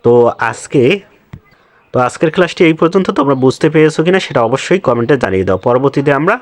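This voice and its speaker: A young adult man teaching a class lecture, speaking slowly and spelling words out letter by letter. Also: mid-range voice, expressive, dry recording.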